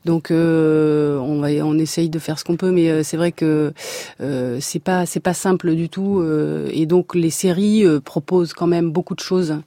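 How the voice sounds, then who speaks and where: A woman's voice: low-pitched, fairly even intonation, a little slow, mellow, no room sound. A woman actress speaking as a guest in a radio studio interview, hesitant, with many fillers and restarts.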